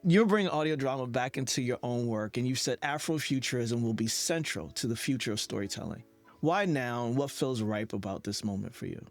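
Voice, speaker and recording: Male interviewer, mid-pitched, conversational podcast delivery, light music bed behind. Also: expressive, brisk. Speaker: podcast host interviewing a guest.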